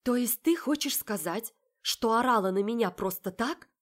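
Indignant young woman, voiced by the female narrator, raised and shrill. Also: animated, moderate pace, natural voice. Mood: furious. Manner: loud, indignant, high-pitched outbursts. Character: heated young woman arguing with her sister.

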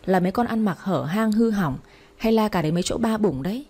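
A woman's voice: mid-range voice, expressive, brisk, mellow, slightly rough. A woman voicing a spiteful stepmother who taunts and mocks her stepdaughter, in a storybook reading. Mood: sneering. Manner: sneering, taunting.

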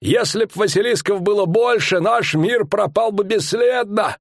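A man voicing a loud, boastful middle-aged male fairground barker with rustic old-fashioned speech and drawn-out showman's patter. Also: high-pitched, animated, vocal fry, no echo, clean studio sound, voice pushed up, exaggerated voice.

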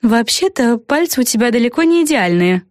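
A woman's voice: a little high, big pitch swings, brisk, darkish tone, dry recording, studio quality, voice pushed up. A woman voicing a blunt, tactless fairy with a snippy, matter-of-fact manner.

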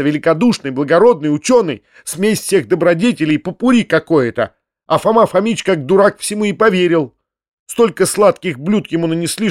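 A man voicing an impassioned, defiant young girl in a storybook reading, loud and vehement. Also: fairly high pitch, no echo, studio quality, voice pushed up, close to an everyday voice. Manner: loud, vehement, rapid insults.

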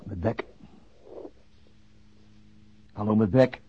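An actor playing an awkward, evasive middle-aged male police detective in a naturalistic radio play, hesitant and halting. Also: on the low side, slight background noise, natural voice. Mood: weary, drowsy. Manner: hesitant, halting, repeats words. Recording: dull lo-fi radio recording.

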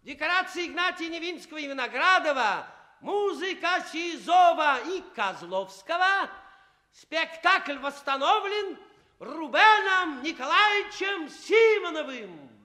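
A man playing a playful, mock-solemn clown of a master of ceremonies, declaiming theatrically with drawn-out announcements and droll asides. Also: extremely high pitch, lively intonation, bright, forceful tone, heavily acted. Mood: grandiose. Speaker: presenter introducing the cast. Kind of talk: theatrical comic stage announcing. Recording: stage hall with long reverb.

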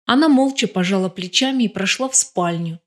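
Woman audiobook narrator, steady expressive read of a crime novel. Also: mid-range voice, fairly quick.

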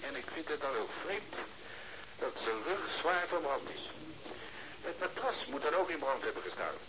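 A man's voice: a little high, very animated, normal speed, noisy background. An actor playing a chatty, smug forensic technician in a radio drama, teasing and long-winded as he explains. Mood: smugly explaining. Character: chatty, teasing male forensic technician who relishes his findings.

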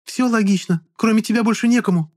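A male narrator voicing a shrill, hysterical young woman who keeps shrieking accusations. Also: fast talker, a little mellow, lightly acted. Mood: insistent. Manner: shrieking, whiny, insistent. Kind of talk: audiobook character voice.

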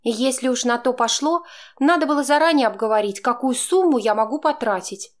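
A woman reader voicing a young woman who bristles and argues heatedly with her partner, in a much higher voice than her own. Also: natural voice. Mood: indignant. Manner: indignant, quick to flare up.

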